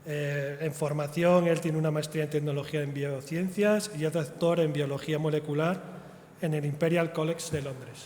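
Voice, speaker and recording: A man's voice: on the high side, fairly even intonation, normal speed, a little mellow. A man moderating a conference session, formally introducing the next speaker. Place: conference hall. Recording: roomy hall reverb from a distance, faint noise.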